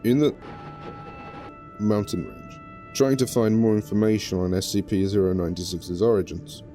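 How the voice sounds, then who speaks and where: An actor playing a calm, terse male researcher who answers questions in a brisk, dismissive way, from a played animated video. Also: lowish voice, natural voice. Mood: curt. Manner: brisk, dismissive, matter-of-fact. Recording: music playing underneath.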